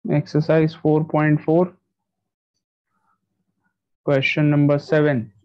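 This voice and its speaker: A man's voice: on the high side, monotone, slow, clean tone. A man with a South Asian accent teaching maths in an online class, mixing Hindi and English and checking in with short questions. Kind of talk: online class lesson, addressing pupils. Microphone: video call. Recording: dull lo-fi online call audio.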